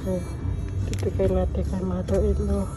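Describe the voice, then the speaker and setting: A woman's voice: medium pitch, flat delivery, moderate pace, over music. A young Filipino woman chatting casually as a vlogger and mother in a home family video. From Philippines. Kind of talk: casual family vlog chat.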